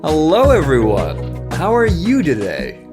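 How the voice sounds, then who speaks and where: Male podcast co-host, animated and joking, faint music underneath. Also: on the high side, unhurried. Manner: wry, joking, laughs often. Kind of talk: casual podcast chat.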